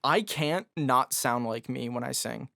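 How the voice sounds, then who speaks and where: Raspy-voiced man, jokey and loose. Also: unhurried, bright, forceful tone, no echo, studio quality. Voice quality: raspy, higher voice. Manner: loose and jokey, lots of fillers. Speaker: guest musician. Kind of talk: casual podcast conversation.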